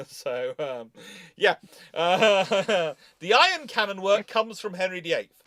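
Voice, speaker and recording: A man's voice: high voice, expressive, slow pace, pushed and bright, no room sound. A man hosting a casual live discussion, explaining things in an emphatic way. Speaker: host of a live naval history Q&A stream.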